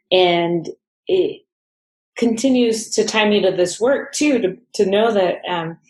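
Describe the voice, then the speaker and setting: Very slowly, a woman speaks with lively intonation in a fairly high, somewhat breathy voice. Her loudness stays very even. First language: Spanish. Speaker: grief support social worker. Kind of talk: podcast interview.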